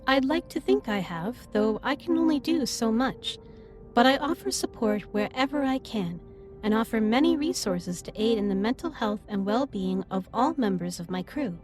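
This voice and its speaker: A caring female alien captain acted by a woman speaks in a fairly high voice with formal, measured phrasing. She is gentle and reassuring, as in an intimate sci-fi roleplay drama. Music plays behind her. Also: lively intonation, natural voice. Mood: solemn, supportive. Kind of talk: scripted roleplay audio drama, intimate comforting monologue. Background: ambient music.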